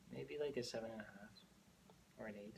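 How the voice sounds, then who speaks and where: A man's voice: on the low side, creaky, sharp tone, slight background noise, low-quality recording. A man in his thirties giving short, laid-back replies with hesitations as co-host of a home vlog, sitting back from the camera. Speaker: co-host, husband. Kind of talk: casual chat. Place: living room at home. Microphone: camera mic a few feet away.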